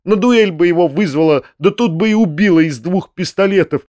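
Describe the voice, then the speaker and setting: A man voicing an impassioned, defiant young girl in a storybook reading, loud and vehement. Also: sits high, no echo, studio quality, voice pushed up, natural voice. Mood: reckless fury. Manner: loud, vehement, rapid insults.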